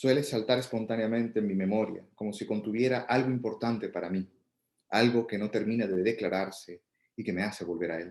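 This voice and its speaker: A man with a medium pitch speaks at a moderate pace with ordinary pitch variation. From Venezuela. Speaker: poet and academic. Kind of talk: reading aloud.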